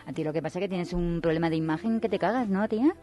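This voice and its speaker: A woman's voice: lowish voice, quick pace, dark tone, faint music behind, close to an everyday voice. A woman voicing Lie, a brash and bossy female figure in a spoken fable, coaxing and slangy.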